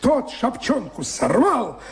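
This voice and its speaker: High creaky guy telling a rhyming folk tale, slow radio drama delivery, sing-song swings. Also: very animated. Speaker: storyteller in radio play. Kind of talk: theatrical rhythmic verse narration of a folk tale.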